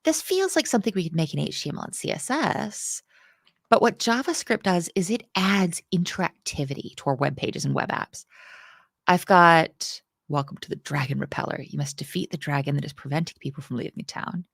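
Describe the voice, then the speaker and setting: A woman's voice: low voice, animated, fairly quick, vocal fry, no echo, studio quality. A woman from the UK, teaching a casual coding lesson in a playful, chatty, self-deprecating way.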